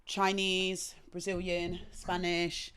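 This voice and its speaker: Articulate low-voiced English woman. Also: slow, smooth. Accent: British English. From England. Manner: articulate, expressive, animated storytelling. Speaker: guest. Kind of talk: casual conversation.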